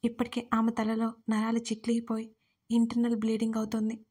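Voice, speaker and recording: A woman voicing a male hospital doctor who delivers bad news gravely and apologetically. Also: fairly high pitch, completely flat delivery, fairly quick, mellow. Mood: sombre.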